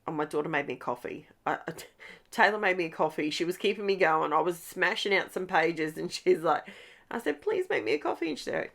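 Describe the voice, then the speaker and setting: A middle-aged Australian woman who hosts a scrapbooking channel chats enthusiastically while she works through a casual craft tutorial. Her voice is on the low side, gravelly and a bit bright, with lively intonation, a fairly quick pace, and a congested nose.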